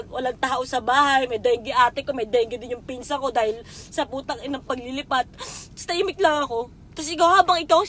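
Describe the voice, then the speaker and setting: A woman's voice: high-pitched, fairly bright tone. A young woman telling a painful personal story straight to someone, emotional and swearing as she speaks. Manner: raw and emotional, swearing, addressing someone directly. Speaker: vlogger. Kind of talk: emotional confessional monologue.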